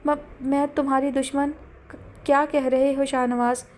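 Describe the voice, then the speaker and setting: A nervous young woman in love stammers, shaken and high-voiced, as a woman narrator puts her on. Fragile and anxious in an audiobook drama. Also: little pitch movement, a little mellow, close to an everyday voice.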